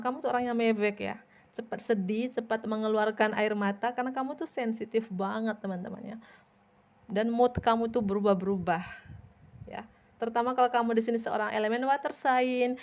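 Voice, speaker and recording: A woman reading tarot cards for her viewers, speaking gently and directly to the listener with a repeated "ya". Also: a little high. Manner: addresses viewer directly, repeats tag "ya" often. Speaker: tarot reader.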